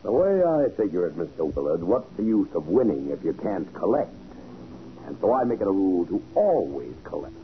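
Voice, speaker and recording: Deep-voiced, menacingly polite gambling boss. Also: male voice, big pitch swings, brisk. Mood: smoothly menacing. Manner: mock-polite, threatening, slangy. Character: menacing, smoothly polite male gambling-house racketeer. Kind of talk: 1940s radio acting. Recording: muffled, hissy 1940s radio recording.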